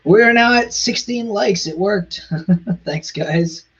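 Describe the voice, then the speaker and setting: Guy streaming, kinda husky voice, talks in quick bursts, dull muffled audio. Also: high voice, fairly bright tone. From Canada. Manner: chatty, rushes in quick bursts, stumbles over foreign words. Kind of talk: casual live stream chat.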